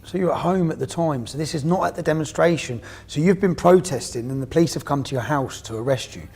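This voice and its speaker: A man's voice: on the high side, fast, gravelly, darkish tone, breathy edge. A man interviewing people for a documentary, pressing them with probing, leading questions.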